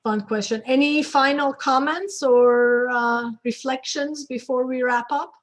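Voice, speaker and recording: A woman with a fairly high voice hosts a panel conversation on a video call. She moderates, inviting others to speak and steering the discussion. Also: steady tone, measured pace. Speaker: host of an online talk series with artists.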